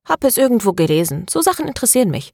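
An inquisitive, attentive young woman friend, as a woman reads her in an audiobook. The pitch is lifted above the reader's own low voice. The sound is dry and close. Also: big pitch swings, rapid-fire, creaky, darkish tone, no echo, full character voice.

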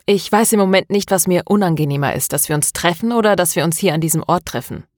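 A polished, cautious middle-aged man talks in smooth, worldly phrases, low and even. A woman reads him in an audiobook, close to the mic. The sound is dry and plain. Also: fast, no echo, close to an everyday voice.

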